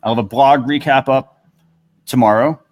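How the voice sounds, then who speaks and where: A man's voice: medium pitch, steady tone, moderate pace. A man hosting a talk show in casual chat, with loose, hesitant phrasing full of "you know". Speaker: host of a marketing talk show.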